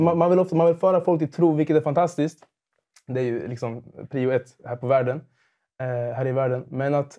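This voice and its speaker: A man with an unremarkable speaking voice, at a fairly quick pace and with fairly even intonation. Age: 20s. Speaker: youth leader. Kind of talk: testimony. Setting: TV studio.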